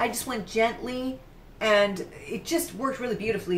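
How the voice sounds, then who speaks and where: A woman talks fairly quickly, and audible room echo follows her words. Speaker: beauty vlogger. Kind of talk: product review vlog. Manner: fast.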